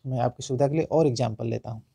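A man with an Indian accent, teaching English pronunciation in a lesson. His voice is low in brightness and mellow, with some gravelly fry, and it sounds dry and close to the mic. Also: no echo. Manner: explains slowly, then reads example sentences word by word with stress. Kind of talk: spoken English lesson in Hindi.

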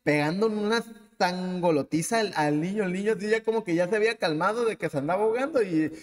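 Animated Mexican man telling a story. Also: high-pitched, fast, long reverb tail. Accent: Mexican Spanish. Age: 30s. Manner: animated, acts out the people in his story. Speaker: podcast host. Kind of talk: casual storytelling.

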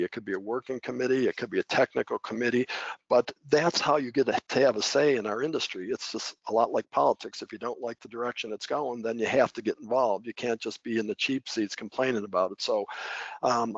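A man's voice: on the low side, dry recording. A middle-aged man giving an unscripted training webinar over slides, folksy and conversational with frequent fillers and restarts. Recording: dull, dry webinar audio.

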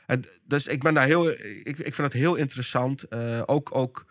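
A man with a Dutch accent, a podcast guest explaining his ideas with frequent restarts and searching pauses. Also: medium pitch, a bit bright, dry recording, clean studio sound. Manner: thoughtful, searching for words with many restarts. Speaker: podcast guest, behavioral scientist and speaker. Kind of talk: casual podcast conversation.

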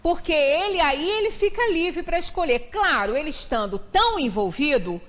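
Uma mulher de meia-idade, do Brasil, dá uma palestra espírita numa sala pequena, explicando com ênfase e perguntando "né?" com frequência. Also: female voice, high-pitched, very animated, moderate pace, fairly bright tone. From Brazil. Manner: explanatory, emphatic, often adds "né?". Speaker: spiritist lecturer. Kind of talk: lecture at a spiritist center. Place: small meeting room, indoors.

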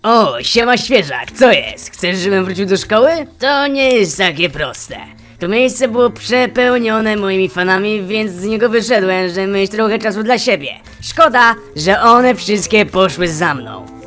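A boastful, easygoing young fire creature, tossing off slang like he owns the place. The voice is bright and lively, swooping up and down, with game music playing under it. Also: mid-range voice, a little slow. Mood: cocky. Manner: laid-back, boastful slang. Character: cocky cool male Blaze student.

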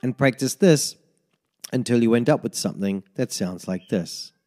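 A man narrating a tin whistle lesson as a voice-over, giving slow, methodical step-by-step fingering instructions. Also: medium pitch, expressive, mellow, faint music behind. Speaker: music teacher.

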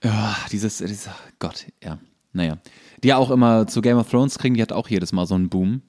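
A man co-hosting a podcast, explaining a TV series in casual chat with halting, searching delivery. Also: fairly low pitch, a little mellow. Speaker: podcast co-host.

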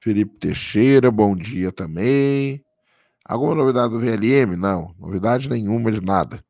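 Hoarse man hosting a livestream. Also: fairly low pitch, normal speed, a little mellow, no echo, clean studio sound. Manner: casual, keeps adding "tá?" for confirmation. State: hoarse from a cold. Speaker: livestream host. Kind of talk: live commentary reading viewer chat.

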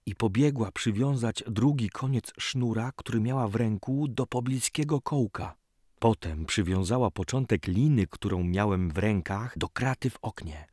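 A man reading a scripted story as an audiobook narrator, in a measured, dramatic storytelling manner. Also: on the low side, animated, darkish tone, no room sound, clean studio sound.

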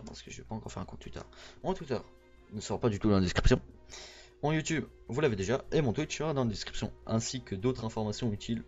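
A man's voice: mid-range voice, darkish tone, highs cut off. A young man with a Québécois French accent, giving a casual vlog update to his channel's viewers, rambling with lots of hesitations and self-corrections. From Quebec. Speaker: YouTuber.

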